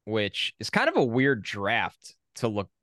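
A young adult man co-hosting a podcast in a casual sports chat. He sounds opinionated and reels off facts in a steady run. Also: lowish voice, measured pace, no room sound, studio quality. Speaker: podcast co-host.

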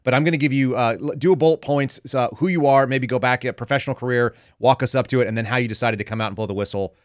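A man's voice: medium pitch, fast talker, no echo, clean studio sound. A man hosting a podcast interview in a casual, informal way with a sardonic streak. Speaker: podcast host.

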